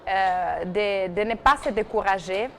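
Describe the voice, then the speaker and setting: A woman's voice: medium pitch, measured pace. A woman presenter on a TV talk show recounting someone's story, with frequent fillers and restarts. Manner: hesitant, many fillers and restarts. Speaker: TV segment presenter. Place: TV studio. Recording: TV studio broadcast with faint noise.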